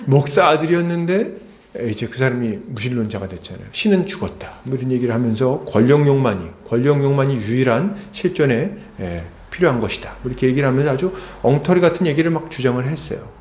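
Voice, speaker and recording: A man's voice: mid-range voice, lively intonation, fast talker, a little mellow, a little hiss or hum. A man preaching an expository sermon as a pastor, talking conversationally and asking the congregation rhetorical questions. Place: church sanctuary. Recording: echoey church hall.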